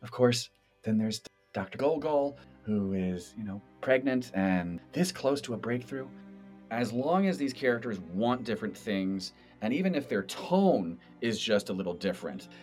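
An American man with a fairly low voice talks as a podcast game master. He explains things chattily and expressively, with soft music playing under him. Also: animated, normal speed. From East Coast of the United States.

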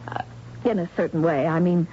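A woman's voice: on the low side, brisk, natural voice. An actress playing a polite, earnest young woman in a radio drama, speaking in a proper manner. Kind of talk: radio drama acting and narration. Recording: dull, noisy old radio recording.

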